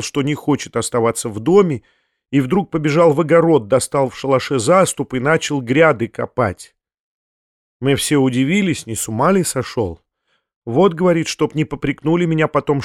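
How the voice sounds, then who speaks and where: A man reading a classic novel aloud, voicing a flustered, agitated young woman who bursts into quick, exasperated exclamations. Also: medium pitch, dry recording, clean studio sound, natural voice.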